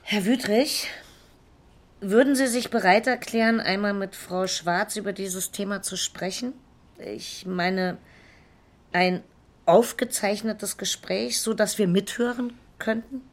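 A woman plays a persistent, composed female police investigator in a crime radio drama. She questions in a measured, formal way and keeps probing, with a voice of middling pitch. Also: steady tone, close to an everyday voice. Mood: persuasive, insistent.

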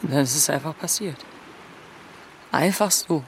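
In a naturalistic radio play, a woman with a low voice plays a grieving, wry 32-year-old adrift at sea, speaking plainly and haltingly in a grieving, subdued mood. Clear watery background noise surrounds her, with lapping water and boat-like sea ambience.

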